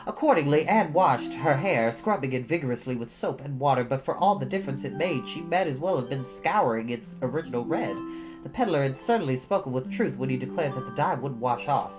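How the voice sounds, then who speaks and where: A woman's voice: very deep voice, expressive, a little fast, lo-fi sound. A woman reading a storybook aloud expressively as a storytime host. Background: instrumental music.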